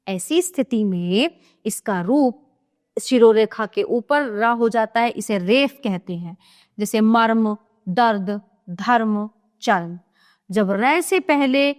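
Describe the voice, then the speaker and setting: Woman teacher going through grammar real slow, highish voice, spells out each example, keeps checking in. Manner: checks in with the listener as she explains. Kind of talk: explaining a Hindi grammar lesson.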